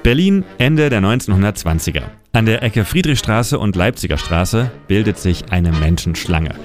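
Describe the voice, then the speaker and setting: Guy narrating a radio history bit, lowish voice, music playing under him. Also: big pitch swings. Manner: measured, storytelling delivery. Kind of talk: scripted documentary narration.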